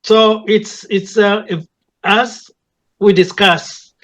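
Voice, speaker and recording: An older man with a Ugandan accent, a church elder speaking reflectively and deliberately as an interview guest, repeating phrases for emphasis. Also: sits high, steady tone, a bit bright. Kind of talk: reflective conversation.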